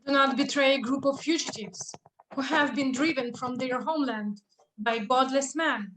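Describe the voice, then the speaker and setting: A woman's voice: high voice, normal speed, fairly bright tone, a little hiss or hum. A woman playing a defiant fugitive pleading for asylum in a solemn, insistent Greek tragedy reading. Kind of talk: live dramatic reading of ancient Greek tragedy. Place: echoey room on a video call. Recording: roomy, echoing video call audio.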